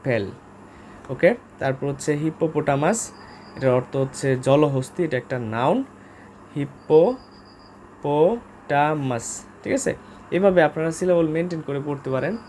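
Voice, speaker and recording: Speaking at normal speed in a darkish-toned voice on the high side, this Bangladeshi-accented English vocabulary teacher gives an informal lesson. He uses frequent filler sounds and spells words letter by letter, over slight background noise.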